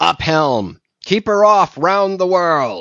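A man shouts and bellows in a put-on character voice, high-pitched with lively intonation. His delivery is very slow. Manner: commanding shout.

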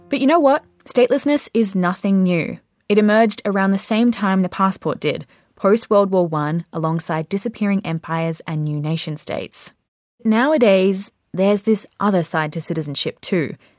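A woman with an Australian accent at medium pitch and moderate pace, lively in intonation, in a dry, close sound with no echo against a quiet background. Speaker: radio producer and reporter. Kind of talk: scripted narration.

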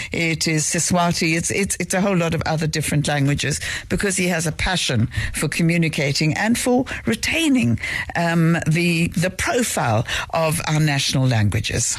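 Over noticeable background noise, a woman with a fairly low pitch speaks at a moderate pace, with lively intonation and very even loudness. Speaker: radio host. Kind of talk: casual radio chat. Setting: radio studio. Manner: chatty, humorous.

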